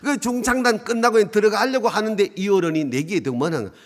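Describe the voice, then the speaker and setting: A man's voice: high-pitched, a little fast. An older man, a retired pastor with a Gyeongsang accent, preaching a sermon in a humorous, emphatic storytelling manner. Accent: Gyeongsang dialect. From South Korea. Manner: animated storytelling, humorous, emphatic call-and-response.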